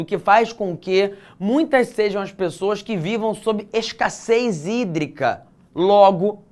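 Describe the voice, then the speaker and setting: A man with a Brazilian accent teaching an exam-prep geography lecture, stressing key words and speaking straight to his students. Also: high voice.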